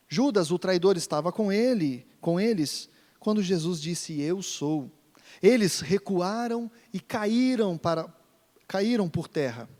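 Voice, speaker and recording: A man's voice: fairly high pitch, a little mellow. A man from Brazil preaching an expository sermon in a church hall, emphatic and repeating phrases for stress. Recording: long church reverb.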